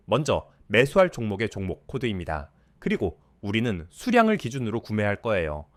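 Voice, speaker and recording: A man gives a scripted coding tutorial voice-over in a calm, polite, step-by-step manner. His pitch rises and falls widely from phrase to phrase, and the recording is close and dry, with no room sound. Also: dry recording. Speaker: coding course instructor.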